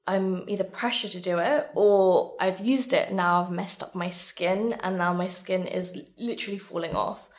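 A woman's voice: fairly low pitch, steady tone, normal speed, few pauses. A woman born in Sri Lanka speaking candidly and emphatically as a guest in a casual interview, often saying "like". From born in Sri Lanka, moved abroad aged three or four. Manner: earnest, emphatic, frequent "like". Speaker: guest, beauty content creator.

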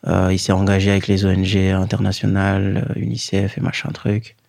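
Low gravelly-voiced man, calm and even. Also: no echo, clean studio sound. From Guinea. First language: Fula. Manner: measured, pausing often with fillers. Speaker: interview guest. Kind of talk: reflective personal storytelling.

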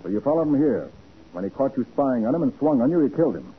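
A man's voice: medium pitch, sing-song, fast, slightly rough. An American man playing a shrewd, self-assured private detective in a 1940s radio drama, explaining things with confident showmanship. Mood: accusing. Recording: muffled, noisy 1940s radio recording.

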